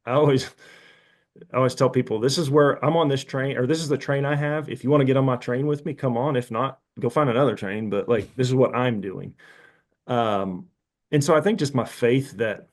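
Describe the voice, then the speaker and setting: A man's voice: mid-range voice, normal speed. A man in his fifties talking frankly and casually as a podcast guest, rambling with restarts and asides. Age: 50s. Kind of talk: casual interview talk.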